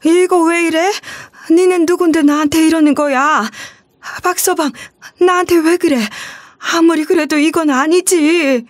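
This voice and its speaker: Woman doing elderly mother, frightened, trembling, pleading, high voice, dry sound. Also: fairly even intonation, unhurried, no room sound.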